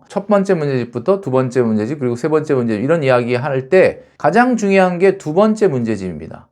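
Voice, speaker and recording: Animated middle-aged man lecturing on savings. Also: a little high. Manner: measured explainer, frequent "자" to mark steps. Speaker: money trainer hosting a finance channel. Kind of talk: scripted finance lecture to camera.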